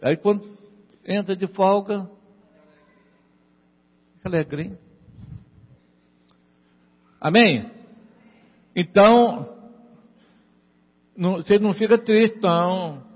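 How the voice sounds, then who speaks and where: A man's voice: sits high, takes it slowly, pauses often, big-room sound, highs cut off. A man preaching a sermon in a church. He repeats his lines for emphasis and keeps asking the congregation "amen?". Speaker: pastor.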